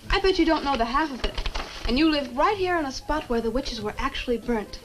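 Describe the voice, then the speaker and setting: A woman's voice: sits high, lively intonation, brisk, a bit bright, slight background noise, poor audio. An actress playing an earnest, curious young woman student in a horror film, polite and articulate. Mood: eager, fascinated. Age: young adult. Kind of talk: 1960 horror film acting. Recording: old film soundtrack with music.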